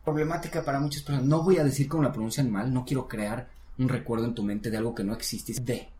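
Male English teacher, patient, encouraging, mid-pitched voice, echoey room. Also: quick pace, dark tone. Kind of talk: one-on-one language lesson. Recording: roomy echo.

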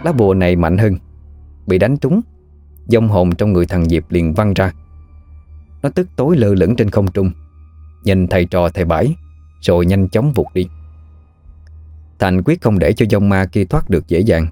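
A man narrating a ghost story in a steady, even storytelling manner. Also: deep voice, moderate pace, pauses often, no echo, faint music behind.

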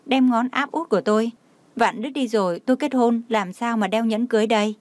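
A man's voice: very high-pitched, fairly quick, no echo. A woman voicing a playful young man who yelps and pleads when hurt, in a dry recording. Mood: whiny complaint.

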